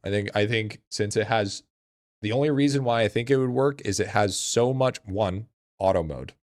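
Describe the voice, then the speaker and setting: Male streamer, lowish voice, casual frat bro talk, slangy and sweary, dry recording. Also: moderate pace, darkish tone, no echo. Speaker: live streamer. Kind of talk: casual livestream chat.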